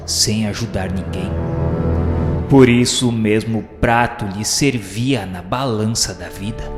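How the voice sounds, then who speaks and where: Echoey, solemn Brazilian male narrator. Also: mid-range voice. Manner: solemn, formal, measured storytelling. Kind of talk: scripted dramatic narration of a spiritist radio novela. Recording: echoey, long reverb, music behind. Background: music.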